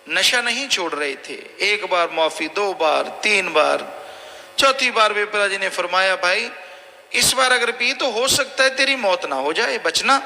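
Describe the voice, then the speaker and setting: A man's voice: high-pitched, bright, forceful tone. A man preaching a sermon, warning his listeners again and again. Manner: exhorting, repetitive warnings. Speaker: spiritual preacher. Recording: long hall reverb, faint noise.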